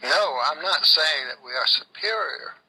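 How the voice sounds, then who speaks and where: A man's voice: fairly high pitch, expressive, measured pace, pushed and bright, breathy edge, exaggerated voice, poor audio. A man voicing an exasperated, defensive Native American chief in a satirical cartoon, speaking plainly.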